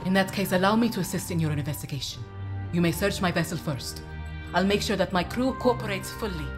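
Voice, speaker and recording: A woman's voice: on the low side, brisk, over music, close to an everyday voice. A woman playing a proud, guarded captain of a rival warship in a science fiction audio drama, speaking stiffly and formally. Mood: curtly cooperative. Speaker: ship captain.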